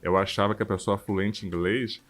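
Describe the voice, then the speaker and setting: Low-voiced Brazilian man, casual podcast talk. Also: brisk, soft background music. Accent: Brazilian Portuguese. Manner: informal, animated, frequent "cara" and "sabe". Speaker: podcast co-host. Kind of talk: casual chat. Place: works abroad.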